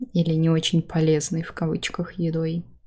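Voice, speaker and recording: A woman speaks in a fairly low, dark and mellow voice on a very clean recording with a silent background. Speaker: life coach and podcast host. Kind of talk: casual solo podcast monologue.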